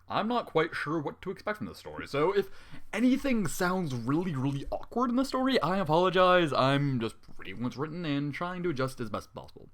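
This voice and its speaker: A man reading a fan story aloud and breaking off into exasperated, swearing comic reactions. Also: on the high side. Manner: exasperated, swearing outbursts between narration. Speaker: fanfiction reader.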